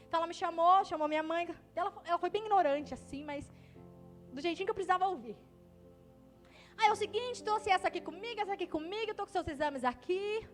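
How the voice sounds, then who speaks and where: Young pregnant woman preaching her testimony, hushed then fervent, high voice, soft music behind. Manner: swings from hushed retelling to loud fervent preaching. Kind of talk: testimony sermon. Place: church.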